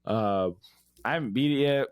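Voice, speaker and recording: Rambling, excited male podcast co-host. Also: medium pitch, normal speed, clean tone, no room sound, clean studio sound. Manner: enthusiastic, rambling, lots of fillers and swearing. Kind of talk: casual podcast chat.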